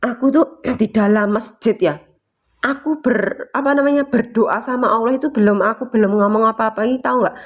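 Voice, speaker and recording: A woman's voice: on the high side, a little fast. A woman telling a personal story to listeners, emotional and casual, often checking in with them. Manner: emotional, keeps asking listeners "you know?". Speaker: motivational storyteller.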